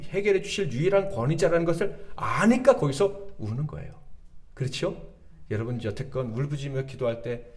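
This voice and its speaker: A man preaching a sermon as pastor, asking his congregation lively rhetorical questions and calling for amens. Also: fairly high pitch. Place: church sanctuary.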